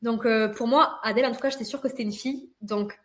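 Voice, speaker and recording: Young woman with a higher voice, telling a story. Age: 20s. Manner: vivid, expressive retelling with quick asides. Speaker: podcast guest. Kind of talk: casual conversational storytelling.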